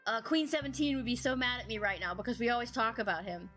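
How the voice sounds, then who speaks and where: A woman's voice: fairly high pitch, fast, a bit bright, soft background music. A woman hosting a podcast in a casual, chatty and effusive way. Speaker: podcast host. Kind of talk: casual chat.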